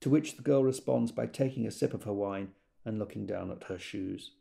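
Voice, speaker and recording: A man's voice: fairly low pitch, moderate pace, gravelly, warm tone. An actor playing a wry gay man who tells of a party in an observant, dramatised literary monologue.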